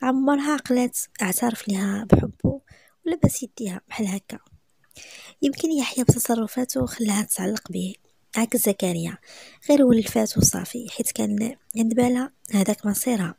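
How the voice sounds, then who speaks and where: A woman with a Moroccan accent narrating a romance story in a hushed, intimate way. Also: a little high, fairly quick, creaky, breathy edge, no room sound.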